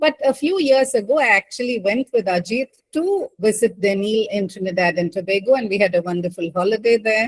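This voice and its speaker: The speaker is a woman with a fairly high, somewhat breathy voice. She talks at a moderate pace in a dry, close sound with no echo. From India. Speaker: event moderator. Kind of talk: talk introduction.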